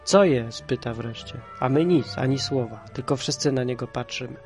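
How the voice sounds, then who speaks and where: A man's voice: medium pitch, fairly quick, faint music behind. Man with a cold reading a tale. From Kraków, Poland. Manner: lively, playful storytelling. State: stuffy with a head cold. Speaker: storyteller and podcast host. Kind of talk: reading a children's story aloud.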